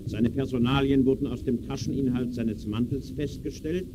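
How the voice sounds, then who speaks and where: An actor playing a theatrical, incantatory crier of sensations and catastrophes in a 1920s-style radio play. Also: male voice, mid-range voice, steady tone, moderate pace, very noisy, close to an everyday voice. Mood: ominous, sombre. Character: grandiose male chorus-like crier of sensations and catastrophes.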